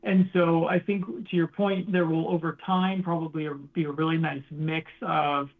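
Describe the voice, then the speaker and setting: A man's voice: a little high, flat delivery, moderate pace, narrow, tinny audio. A man speaking as a company executive answering questions on an earnings call, restarting often and using corporate jargon.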